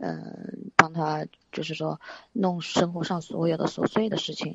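Speaking at a very slow pace is a woman. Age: 30s. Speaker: caller seeking relationship advice. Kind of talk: phone-in advice call. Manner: halting.

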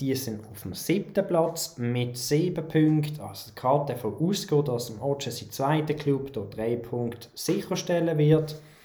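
With audible room echo, a man at a fairly high pitch speaks at a fairly slow pace with hardly any pauses, big swings in loudness and ordinary pitch variation. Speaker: podcast host. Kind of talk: casual chat.

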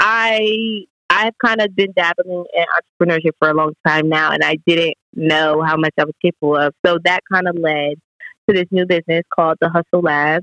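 A woman talks at a moderate pace in an unremarkable speaking voice. Her pitch is fairly low and her intonation fairly even. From New Jersey (Trenton). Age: 20s. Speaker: university student. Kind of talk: casual interview.

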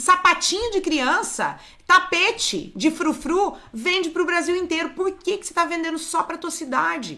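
A woman's raised, projected voice, extremely high in pitch, with a bright, sharp, animated tone at a moderate pace. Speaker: podcast co-host, voice-over course owner. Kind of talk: casual chat.

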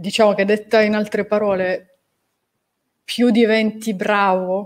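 The woman's pitch sits in the middle range. Her intonation is monotone and flat. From southern Italy, Apulia. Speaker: wedding photographer. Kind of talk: interview.

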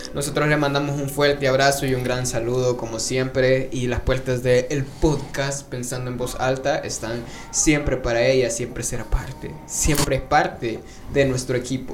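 Speech comes at a moderate pace. There is audible room echo along with noticeable background noise. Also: man. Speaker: podcast co-host and radio announcer. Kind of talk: casual podcast chat. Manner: animated.

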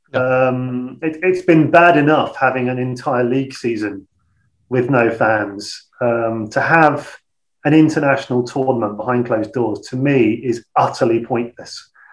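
Here is a man with an English accent. He talks at a fairly slow pace. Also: medium pitch for a man, ordinary pitch variation. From England. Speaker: sports commentator. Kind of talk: casual interview.

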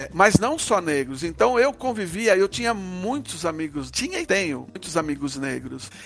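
Over noticeable background noise, a man speaks at a moderate pace in a high pitch with very wide pitch swings. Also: hardly any pauses. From Brazil, São Paulo ABC region. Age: 50s. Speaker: physical education professor. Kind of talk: casual interview.

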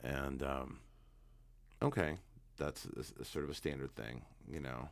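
At a moderate pace, a man speaks with a very deep, low pitch, vocal fry and fairly even intonation. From Canada. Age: 40s. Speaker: hypnotherapist. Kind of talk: casual chat.

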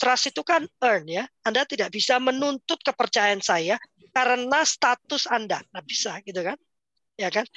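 Loud and high-pitched, a woman speaks at a moderate pace with lively intonation in a dry, close sound with no echo. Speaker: homeschooling trainer and practitioner. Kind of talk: online discussion webinar. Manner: loud, forceful. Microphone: laptop not working, cannot share screen.

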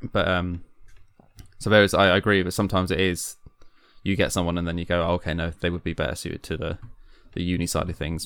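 Very fast yet broken by long, frequent pauses, a man's speech sits at a very deep, low pitch with monotone, flat intonation. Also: very clean recording, silent background. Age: 20s. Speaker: quidditch player. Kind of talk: casual chat.

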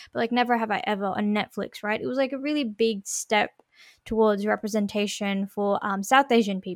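Using an Australian accent, a woman talks at a fairly quick pace with a fairly high pitch and ordinary pitch variation. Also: dry, close sound with no echo, very clean recording, silent background. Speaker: podcast host. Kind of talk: casual chat.

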